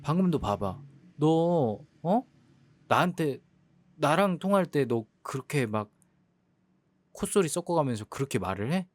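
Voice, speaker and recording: Actor as a sulking jealous young boyfriend, slightly high voice, very dry close mic. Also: male voice, sing-song, unhurried, pauses often, no echo. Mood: exasperated. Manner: sulky, hurt, exasperated complaining. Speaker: jealous boyfriend in role-play. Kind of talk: boyfriend role-play drama.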